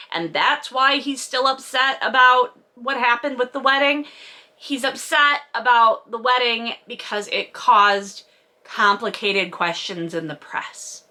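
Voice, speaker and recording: A woman's voice: fairly high pitch, bright, forceful tone. A woman giving a casual, comedic book recap with sarcastic, wry asides, in the manner of a video host.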